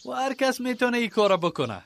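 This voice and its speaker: An actor playing an enthusiastic, encouraging village organiser in a radio drama, eager and full of praise, with an Afghan accent. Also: male voice, very high-pitched, very animated, creaky, fairly bright tone, exaggerated voice.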